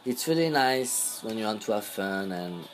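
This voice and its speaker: A man's voice: lowish voice, expressive, moderate pace, over music, poor audio. A young man from France with a French accent, a podcast guest speaking English as a second language, hesitant and searching for words. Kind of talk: casual conversation.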